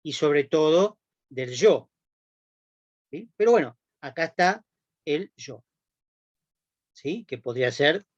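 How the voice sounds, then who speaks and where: A male lecturer with a Rioplatense accent explains patiently, dropping "¿no?" and "¿sí?" to check on his students. His voice sits a little high for a man. The recording is dry and slightly dull, like a classroom lo-fi capture. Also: lively intonation, slow pace, pauses often, no echo. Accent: Rioplatense Spanish. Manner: explanatory, frequent checking tags "¿no?" and "¿sí?". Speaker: university lecturer.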